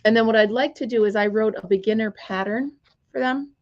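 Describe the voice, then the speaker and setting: A woman hosting a casual crafting livestream from her store, chatty and greeting viewers by name, her voice still hoarse as it recovers. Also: fairly high pitch, fairly quick, a little mellow, muffled recording.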